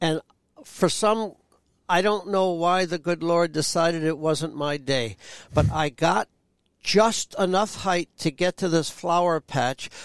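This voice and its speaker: The speaker moves at a fairly slow pace with ordinary pitch variation. The recording is very clean, with a silent background. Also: man, high pitch for a man. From Upstate New York (Schenectady). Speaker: retired chemist and glider pilot. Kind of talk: casual chat. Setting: studio.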